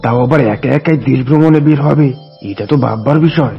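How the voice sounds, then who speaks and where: A man voicing a regal, thoughtful lion, king of the forest, in a cartoon, with a gravelly voice. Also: fairly high pitch, fairly quick, dull audio, soft background music, heavily acted. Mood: pondering. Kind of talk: cartoon voice acting.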